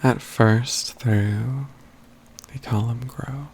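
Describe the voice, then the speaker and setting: A man performs a courtly, gently teasing mage in an ASMR fantasy roleplay. His medium-pitched voice is soft and gravelly, unfolding in slow, deliberate phrases that often sink into a whisper. A faint ambience sits behind the close-miked words. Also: fairly even intonation, slight background noise. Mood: calm, deliberate. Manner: measured, deliberate, halting phrases with pauses.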